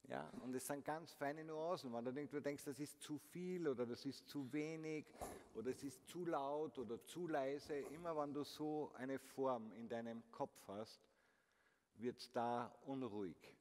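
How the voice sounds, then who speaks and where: A man's voice: medium pitch, a little slow, darkish tone. A man giving a motivational conference talk, speaking to the audience directly and using frequent rhetorical questions. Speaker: keynote speaker. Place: large concert hall stage. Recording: long hall reverb, faint noise.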